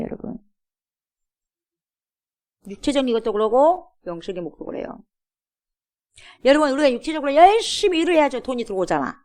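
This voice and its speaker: A woman's voice: on the high side, a little mellow. Woman pastor preaching in church, punchy, keeps asking the crowd questions. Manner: emphatic, many rhetorical questions and repeated "여러분". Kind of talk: sermon. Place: church sanctuary.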